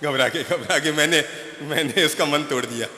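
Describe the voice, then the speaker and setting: Man giving a live sermon, high bright animated voice, teasing people up on stage, big echoey stadium sound. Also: moderate pace. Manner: playful, coaxing, calls people up on stage. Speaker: spiritual preacher. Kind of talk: live sermon with audience interaction. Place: large stadium gathering. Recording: echoey stadium hall reverb.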